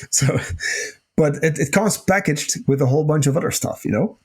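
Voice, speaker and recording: A man hosting a nutrition podcast, answering listener questions in a casual, loose way, a little hoarse, with plenty of fillers and the odd swear. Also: fairly high pitch, normal speed, a little mellow. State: slightly hoarse, clears throat. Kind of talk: casual solo Q&A talk.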